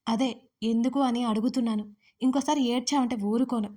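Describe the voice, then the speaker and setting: Woman voicing a young husband, firm, scolding, soft mellow tone, audiobook. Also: on the high side, steady tone, fairly quick, lightly acted. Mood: stern. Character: young husband, stern but tender.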